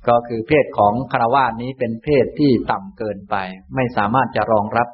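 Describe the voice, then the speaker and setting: A man, a Buddhist monk teacher, giving a calm, gentle dharma talk and answering questions. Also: medium pitch, breathy edge, phone-quality sound. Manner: calm, unhurried, gentle explaining.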